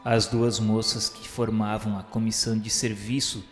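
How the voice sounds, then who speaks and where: Reading at normal speed in a lowish voice with little pitch movement, a man delivers solemn, scripted narration for a spiritist radio novela. The text is formal, reverent and literary, and the sound is echoey and reverberant, like a hall, with music playing beneath.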